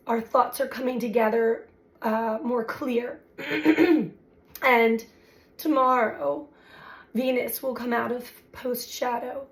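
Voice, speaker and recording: A woman with a somewhat high but flat, even voice speaks slowly and reflectively, pausing often as she searches for words. Her voice is still recovering from being lost to illness. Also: low-quality recording. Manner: slow, halting, reflective, many fillers. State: recovering from voice loss. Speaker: spiritual astrology channel host. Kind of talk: unscripted spiritual talk to camera.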